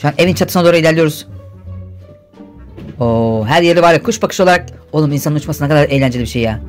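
Fast-talking playful gaming host, a man. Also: fairly high pitch, faint music behind. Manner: playful, teasing. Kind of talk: gameplay commentary with role-play.

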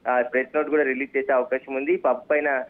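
Guy reporter calling in, phone-line sound, kinda rambly with lots of uh pauses. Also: mid-range voice, little pitch movement. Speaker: field reporter.

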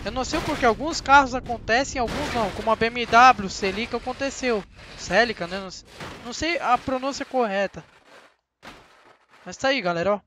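A young man with a Brazilian Portuguese accent giving chatty, excitable commentary on a driving game straight to his viewers. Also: very high voice, fairly quick, a little hiss or hum. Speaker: gaming channel host. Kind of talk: casual gameplay commentary.

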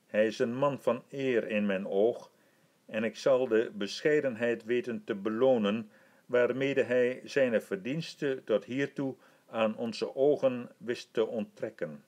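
Stately old emperor, gracious and commanding, very unhurried; a man doing the voice. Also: mid-range voice, a little mellow, lightly acted. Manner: stately, measured and formal. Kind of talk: audiobook reading.

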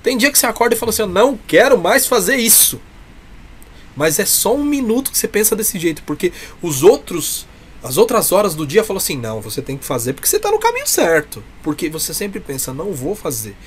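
A man's voice: high-pitched, very animated, fairly quick, slightly rough. A man with a Brazilian Portuguese accent speaking earnestly and emphatically as an interview guest, in a heartfelt, encouraging way. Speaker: interview guest, clown performer from a humour troupe. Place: small room with a curtain backdrop. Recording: noisy webcam call audio.

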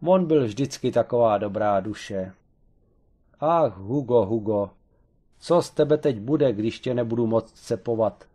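A man voicing a proud, domineering former strongwoman wrestler who talks loudly and haughtily. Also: lively intonation, lightly acted. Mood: mock grief. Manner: booming, haughty, matter-of-fact about cruelty.

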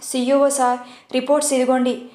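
A woman's voice: high voice, flat delivery, brisk, warm tone, natural voice. A woman voicing a polite male assistant. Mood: dutiful. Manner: polite, reporting. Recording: roomy echo.

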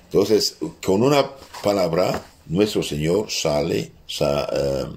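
A man with a French accent teaching a catechism lesson as a priest, halting and restarting often as he quotes scripture aloud. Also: low voice, expressive, vocal fry, a little mellow, a little hiss or hum.

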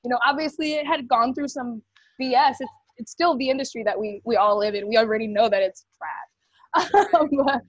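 A woman's voice: fairly high pitch, normal speed, no echo. A young woman co-hosting a casual video call chat, rambling with many fillers. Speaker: co-host. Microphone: webcam on video call. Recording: dull, dry webcam audio.

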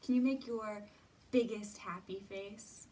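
A woman in her thirties gently guiding young children through a lesson, asking simple encouraging questions and pausing often. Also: mid-range voice, fairly even intonation. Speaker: children's storytime host. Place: indoor library room with bookshelves. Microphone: camera a few feet away. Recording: distant mic, roomy ambient noise.

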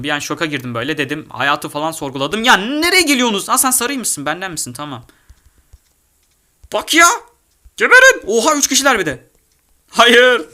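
Excitable young man commenting gameplay. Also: a little high. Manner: excitable, swears and shouts in panic. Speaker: gaming YouTuber.

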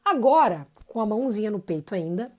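A woman's voice: mid-range voice, sing-song, a little fast. A woman giving a live-streamed singing lesson, chatty and encouraging, greeting viewers by name between explanations. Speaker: singing teacher.

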